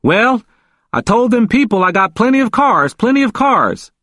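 A man's voice: sits high, big pitch swings, normal speed, fairly bright tone, dry recording, clean studio sound, voice pushed up. A man voicing a confused, vulnerable elderly man in an audiobook, emphatic and repetitive, with folksy grammar. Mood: excited, defiant. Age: older. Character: confused, frightened elderly man pleading in hospital.

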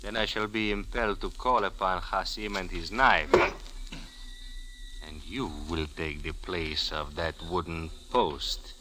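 An actor playing a tall Arab henchman in an old radio drama, speaking formally with measured, polite menace. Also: sits low, fairly even intonation, background noise. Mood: veiled threat. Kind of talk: 1940s radio acting.

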